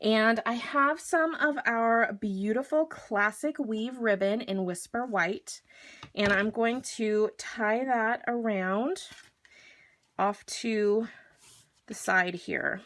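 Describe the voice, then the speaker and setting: A bubbly woman hosts a live card-making stream, chatting to her viewers as she works. Her voice sits a little high, and she takes her time, speaking at an unhurried, easy pace. She gushes over each finished piece. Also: fairly bright tone. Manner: talks to viewers while working with her hands. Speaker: craft demonstrator hosting a live stream.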